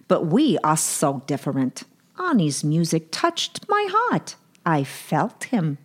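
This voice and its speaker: A woman's voice: low-pitched, huge pitch swings, slow pace, full character voice. Woman playing a dreamy older mother. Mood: dreamy coy. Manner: sighing, dreamy, bashful. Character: romantic older Brooklyn mother, sentimental and coy. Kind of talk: comic audio drama.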